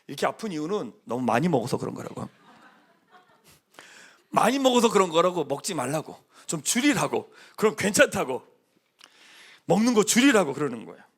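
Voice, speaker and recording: An energetic male pastor preaches in a church, and his voice sits high and swoops up and down as he rallies the congregation. He leads them in call-and-response. When he speaks God's promises, he falls to a soft, hushed tone. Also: fairly quick, long pauses, slightly rough. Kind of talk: sermon. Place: church sanctuary.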